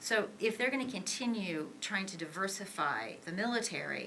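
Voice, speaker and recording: Noticeable background noise and audible room echo surround a woman with an American accent whose intonation is lively. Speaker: political scientist and author. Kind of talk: Q&A at a panel event. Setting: auditorium with audience.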